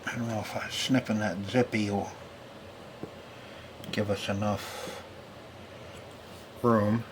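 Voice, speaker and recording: A man's voice: lowish voice, level tone, slow pace, noisy background. A man narrating a hands-on repair casually, muttering to himself in a folksy way as he works. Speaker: repair video host.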